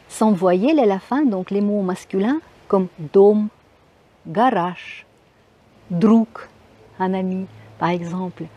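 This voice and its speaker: A Russian woman with a Russian accent teaches a language lesson at an unhurried pace. Her voice is mellow and soft, and she repeats each word patiently so learners can follow. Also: mid-range voice, a little hiss or hum.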